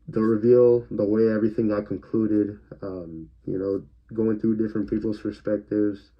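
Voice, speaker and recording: A man giving a casual spoken movie review, hesitant and stuttering, with many fillers. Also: on the low side. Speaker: film reviewer. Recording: dull lo-fi recording.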